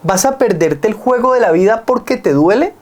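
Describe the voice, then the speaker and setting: A man's voice: high-pitched, animated, moderate pace. A man with a Colombian accent in his thirties or forties, a Catholic psychologist speaking earnestly in a reflective conversation and explaining with family examples.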